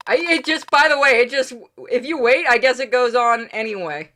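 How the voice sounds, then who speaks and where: A woman hosting a gaming playthrough, switching between casual chat and expressive, theatrical read-aloud of the story text. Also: a little high, moderate pace. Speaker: gaming video host reading game text aloud. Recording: music playing behind the voice.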